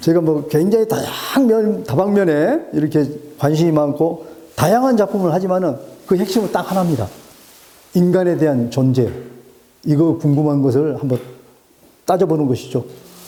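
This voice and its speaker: With long, frequent pauses, a man speaks at a moderate pace in a fairly high pitch, his intonation lively and his loudness very even over noticeable background noise. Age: 60s. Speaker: artist. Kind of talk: interview. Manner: casual, with hesitations.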